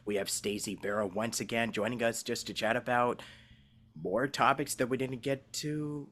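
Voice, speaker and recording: A man's voice: mid-range voice, steady tone, moderate pace, fairly bright tone. A man hosting a podcast in a laid-back, informal, chatty way. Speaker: podcast host. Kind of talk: casual chat.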